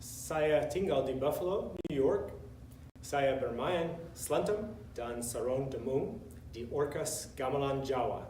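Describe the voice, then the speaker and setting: American man, non-native and deliberate, slow self-introduction, picked up from afar with faint noise. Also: medium pitch, expressive, darkish tone. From Indiana, United States. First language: English. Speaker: language student. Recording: roomy, distant mic, faint noise.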